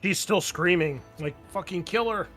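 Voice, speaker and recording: A man's voice: high-pitched, normal speed, sharp tone. Casual man running a tabletop game over music. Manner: casual, profane. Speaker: game master. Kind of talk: improvised narration of a tabletop roleplaying game.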